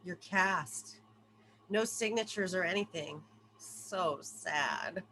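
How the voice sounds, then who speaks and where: A woman's voice: on the low side, slow pace, bright, forceful tone, slight background noise, low-quality recording. A woman playing a bored teenage pharmacy girl who taunts dryly, in an amateur table read. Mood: mocking. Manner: dry, taunting.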